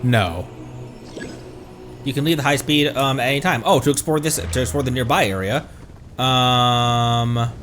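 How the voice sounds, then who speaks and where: Video game music plays behind a streamer whose medium-pitched, somewhat bright voice keeps a measured pace with frequent pauses. He offers casual live commentary, thinking aloud in stammering bursts.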